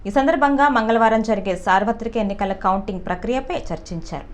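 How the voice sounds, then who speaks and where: A woman's voice: medium pitch, lively intonation, quick pace. A woman reading scripted news narration as a voice-over.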